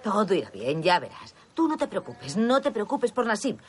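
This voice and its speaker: A bossy but caring village mother, played by a woman, scolds and coaxes in a lively, swinging voice. Clear background noise runs under the film soundtrack. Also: mid-range voice, moderate pace, close to an everyday voice. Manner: firm, scolding, coaxing.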